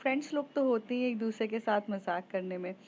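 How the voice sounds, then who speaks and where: A woman's voice: on the high side, fairly quick, darkish tone, a little hiss or hum. A woman telling a love story in a casual, conversational way with frequent hesitations, on a slightly muffled recording. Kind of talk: casual spoken story narration.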